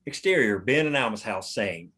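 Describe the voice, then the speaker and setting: A man's voice: fairly low pitch, expressive, moderate pace, sharp tone, breathy edge. A man narrating scene headings and stage directions at a script table read.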